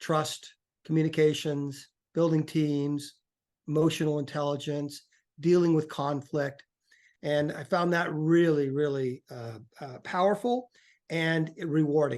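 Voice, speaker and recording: Fairly high-pitched and fairly slow, a man talks with fairly even intonation and big swings in loudness. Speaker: leadership coach. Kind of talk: interview. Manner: hesitant, many fillers.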